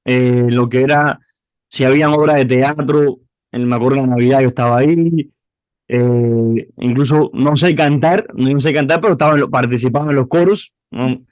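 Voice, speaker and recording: A man's voice: medium pitch, normal speed, a little mellow, no room sound. A man in his twenties with a Cuban accent, a youth pastor telling his life story in an interview, often restarting and repeating words as he goes. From Cuba. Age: 20s. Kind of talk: personal testimony interview.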